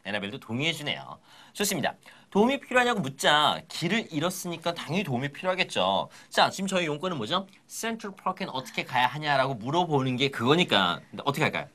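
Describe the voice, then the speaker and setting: A man's voice: fairly high pitch, brisk. A man teaching English phrases in an upbeat lesson, coaching the audience with energy and pushing them to repeat after him. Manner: energetic, coaxing, drills phrases aloud.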